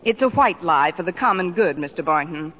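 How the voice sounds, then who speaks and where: An actress playing a wry, quick-witted female schoolteacher in 1940s radio comedy style, dry and sardonic. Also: fairly low pitch, expressive, close to an everyday voice. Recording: muffled old radio broadcast, reverb, faint hiss.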